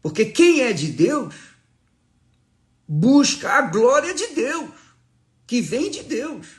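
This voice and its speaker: A man, a bishop giving a morning devotional sermon as a slow, reflective testimony with softly murmured prayers. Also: very high voice, very animated.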